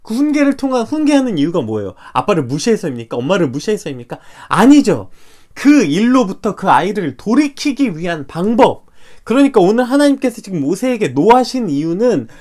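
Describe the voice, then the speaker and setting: Man, pastor, devotional sermon, lively swooping pitch, animated, rhetorical questions. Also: a little fast. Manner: animated, acts out quoted dialogue, rhetorical questions.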